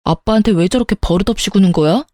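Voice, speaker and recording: A woman voicing a stubborn, short-tempered middle-aged father who shouts and bullies indignantly in a storytelling reading. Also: mid-range voice, fast talker, no room sound, studio quality, close to an everyday voice. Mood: angry.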